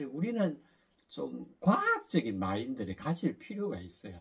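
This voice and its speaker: Against a quiet backdrop, this man's pitch leaps up and down very widely. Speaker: fasting practitioner. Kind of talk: casual chat. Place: home room.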